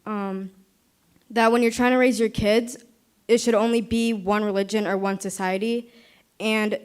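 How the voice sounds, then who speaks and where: Clear-voiced young woman speaker. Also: mid-range voice. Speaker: student giving an opinion. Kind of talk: earnest opinion at a youth dialogue.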